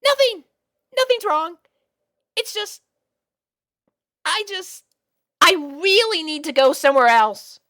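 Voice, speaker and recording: A woman voicing a shy, lovestruck young girl pony in a nervous, halting storybook reading. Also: very high voice, expressive, fairly bright tone, pitched above the performer's own voice, exaggerated voice. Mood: panicked.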